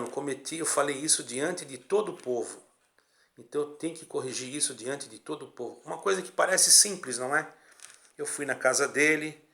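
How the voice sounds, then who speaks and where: Gravelly, bright-voiced preacher man. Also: fairly high pitch. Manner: addresses listeners as brothers, earnest and pleading. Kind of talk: sermon.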